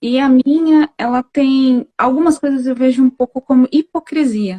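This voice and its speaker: The recording sounds dry and close, with no echo. A woman speaks fairly slowly in a high, dark, mellow voice with fairly even intonation. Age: 30s. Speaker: evangelical minister. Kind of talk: personal testimony in consultation.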